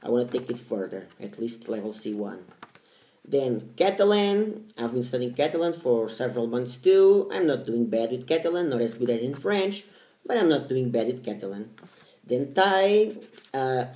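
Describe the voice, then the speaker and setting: Man, mellow voice, roomy echo. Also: mid-range voice, sing-song. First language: Portuguese. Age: 30s. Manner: halting, repeats words, stresses each language name. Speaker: language learning vlogger. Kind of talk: casual vlog to camera.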